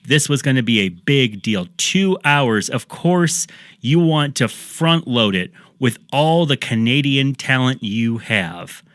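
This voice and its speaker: Guy hosting a podcast, bright tense voice, joking around, dry sound. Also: medium pitch, animated, slow, no echo. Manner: jokey storyteller, recapping history with asides. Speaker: podcast host. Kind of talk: casual chat.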